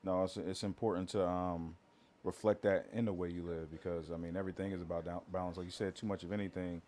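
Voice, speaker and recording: A male podcast host with a lowish voice who talks fast. He agrees readily and builds on his guest's points with thoughtful remarks. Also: flat delivery, a little mellow. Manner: agreeable, reflective follow-ups. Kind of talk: casual interview.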